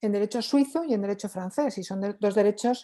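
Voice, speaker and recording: A woman speaks with lively intonation at a fairly high pitch, her tone dark and mellow against a quiet background. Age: 60s. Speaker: law professor. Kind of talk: lecture. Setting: video call. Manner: formal.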